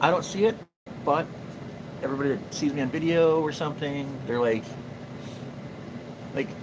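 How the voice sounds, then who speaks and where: Against noticeable background noise, a man talks in a fairly high voice with an American accent. His pace is fairly quick, and his pitch varies in an ordinary way. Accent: Canadian-sounding accent, noticed by others. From US Upper Midwest, west central northern Minnesota. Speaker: trapper and livestreamer. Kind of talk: live stream chat answering viewer questions.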